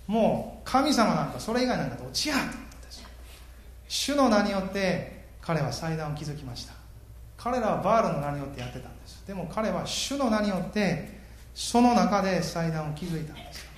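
Pastor preaching, lively and joking around, fairly high voice, roomy church echo. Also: male voice, a little fast. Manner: animated, joking with the congregation. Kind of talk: sermon.

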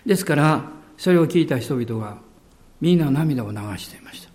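A male pastor preaching a sermon with emphasis, drawing out key words slowly. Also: fairly high pitch, lively intonation, darkish tone.

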